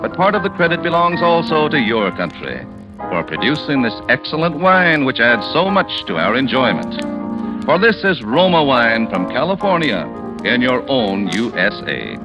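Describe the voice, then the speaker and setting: A man reading a scripted commercial as a 1940s radio announcer, smooth and persuasive, on a muffled vintage broadcast. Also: mid-range voice.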